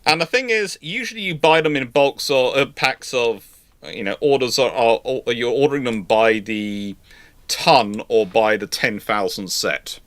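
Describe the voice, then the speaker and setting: A man hosting an unscripted live panel discussion, speaking haltingly and rephrasing as he goes. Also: medium pitch, fairly bright tone. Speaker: host of a live question panel.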